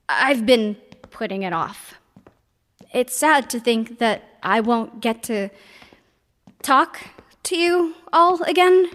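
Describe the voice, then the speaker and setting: Echoey gentle sad-sweet woman doing a goodbye log in a sci fi drama, slow and halting. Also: fairly high pitch. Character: gentle, wistful woman recording a farewell message. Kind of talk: intimate audio diary in sci-fi drama. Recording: long reverberant hall echo.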